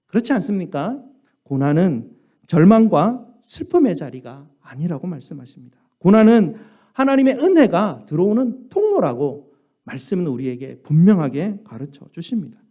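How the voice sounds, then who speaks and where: A man's voice: normal speed, muffled recording. A man preaching a Sunday sermon as pastor, telling stories and acting out voices with big swings. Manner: animated storytelling, acts out quoted voices with big pitch jumps. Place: church sanctuary.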